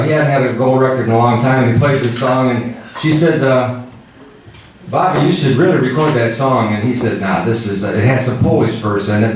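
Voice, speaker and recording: A man casually introducing songs at an open mic, telling anecdotes in a halting way. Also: medium pitch, distant mic. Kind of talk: casual song introduction and singing. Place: small cafe open mic. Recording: echoey cafe, off-mic, guitar music.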